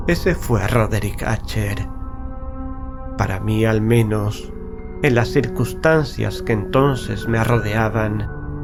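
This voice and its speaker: A man narrating a literary horror story in a measured, solemn, carefully enunciated dramatic style. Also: medium pitch. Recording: background music under studio narration. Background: music.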